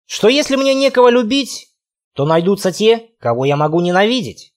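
A man's voice: high voice, big pitch swings, moderate pace. A man voicing a stubborn, brooding burly warrior. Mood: grave.

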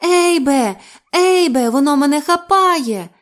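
A woman's voice: sits high, animated, moderate pace, voice pushed up. A woman voicing a capricious young actress who whines, bosses people around and shrieks. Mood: terrified. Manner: whiny, bossy, shrieking.

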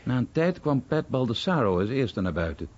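Tired troubled war veteran, really husky, subdued, radio drama, muffled sound. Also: male voice, mid-range voice, big pitch swings, moderate pace, darkish tone. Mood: reflective. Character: weary, troubled American veteran recalling his bomber crew days. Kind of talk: radio documentary drama narration and dialogue.

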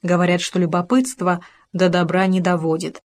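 A woman narrating a children's story in a calm, even storytelling manner. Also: fairly low pitch, moderate pace. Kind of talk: audiobook story reading.

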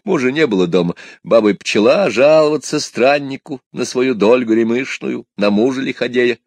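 A man reading a folk tale aloud in an expressive storytelling manner. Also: medium pitch, moderate pace, no echo.

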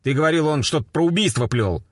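A man's voice: on the high side, lively intonation, fast, no room sound, clean studio sound, voice pushed up. A man voicing a fat, irritable police captain who barks orders at his men. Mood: gruff, bossy. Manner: barking orders.

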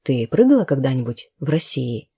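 A woman voicing a seasoned male skydiver, a self-assured ladies' man who speaks in a lowered, matter-of-fact way. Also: sing-song, moderate pace, mellow, slightly rough, heavily acted. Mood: friendly.

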